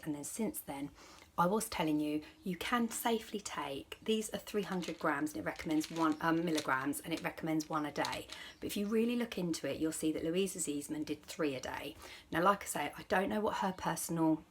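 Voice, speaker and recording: A woman's voice: deep voice, brisk, slight background noise. A woman vlogger giving casual advice to viewers in a chatty, rambling, self-correcting way.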